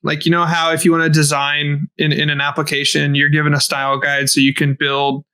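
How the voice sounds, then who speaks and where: A man's voice: fairly high pitch, completely flat delivery, fairly quick, pushed and bright, clean tone. A man co-hosting a podcast in casual chat, talking enthusiastically in bursts. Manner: enthusiastic, rants in bursts with swearing. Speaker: podcast co-host.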